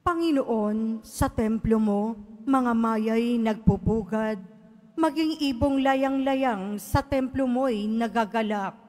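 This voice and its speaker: Slow solemn woman lector, churchy reverb. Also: on the high side, a little mellow. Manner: slow, measured, solemn reading. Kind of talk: liturgical scripture reading. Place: large church.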